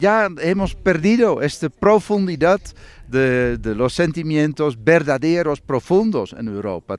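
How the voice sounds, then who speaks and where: A man's fairly high voice in a Dutch accent, at a very slow pace with lively intonation and a dry sound free of echo. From Netherlands. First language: Dutch (speaking Spanish). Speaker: foreign tourist and interpreter; interviewee. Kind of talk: interview. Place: open country. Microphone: handheld.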